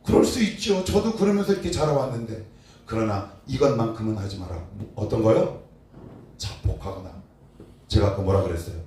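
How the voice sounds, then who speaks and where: A male pastor preaching a sermon, asking his congregation rhetorical questions and swinging between loud and soft. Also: lowish voice, animated, fairly quick. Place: church sanctuary. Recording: very echoey hall, distant mic, faint noise.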